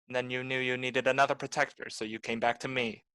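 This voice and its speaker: A man's voice: medium pitch, little pitch movement, fast, pushed and bright, clean tone, dry recording, close to an everyday voice. A man playing a cynical, blunt private detective in the manner of 1940s noir radio drama. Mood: accusing. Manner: blunt, accusing, tough. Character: hard-boiled, cynical male private detective.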